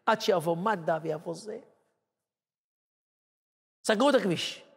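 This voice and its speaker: A rabbi, a man with a fairly high voice, tells a sermon story in short, dramatic bursts. His voice rings out with a long hall reverb. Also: expressive, creaky, slightly rough. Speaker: rabbi and lecturer.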